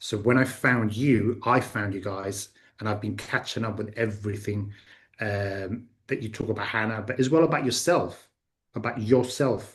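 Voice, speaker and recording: At a moderate pace, a man with a fairly low, somewhat breathy voice talks with ordinary pitch variation. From Spanish-speaking country. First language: Spanish. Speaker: entrepreneur living with brain cancer. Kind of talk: interview. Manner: halting.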